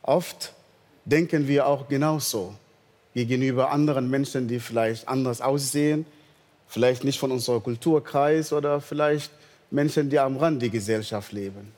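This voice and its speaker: Guy preaching, earnest and slow, long echo around him. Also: medium pitch, a little mellow. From northern Sudan. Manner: earnest, slow storytelling with non-native German grammar. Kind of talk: sermon with personal testimony.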